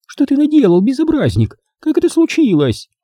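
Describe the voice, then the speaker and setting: A male audiobook reader voicing a fussy, excitable old grandmother who exclaims shrilly. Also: very high voice, moderate pace, slightly rough, dry recording, studio quality, voice pushed up, exaggerated voice. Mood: scolding.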